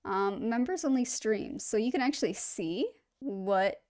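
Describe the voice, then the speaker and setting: A woman's voice: fairly high pitch, expressive, unhurried, a little mellow. Chatty woman reacting to clips. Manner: chatty, rambling, upbeat, self-deprecating. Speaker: reaction video host. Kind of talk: casual reaction commentary.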